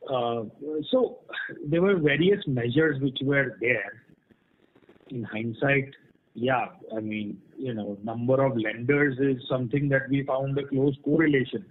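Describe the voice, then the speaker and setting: A man's voice: mid-range voice, unhurried. On a dull, band-limited conference line, a man with a mid-range voice answers questions as a company executive. He explains things in a frank, spontaneous way, often checking that he is followed. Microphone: conference call.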